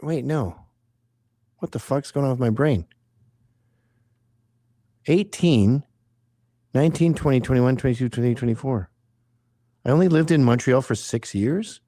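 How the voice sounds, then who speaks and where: A man's voice: mid-range voice, unhurried, pauses often, dark tone, no echo. A man in his fifties, a guest on a casual livestream chat, who tells rambling, joking stories and swears freely. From Canada. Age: 50s. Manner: profane, rambling, joking storyteller. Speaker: podcast guest.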